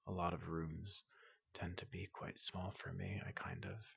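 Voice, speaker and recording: Guy doing a big gentle robot doctor for asmr, super low n slow, breathy half whisper, polite and calming. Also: no room sound, exaggerated voice. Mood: soft, confiding. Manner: slow, gentle, reassuring, repeats questions softly. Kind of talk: ASMR roleplay, hushed and soothing.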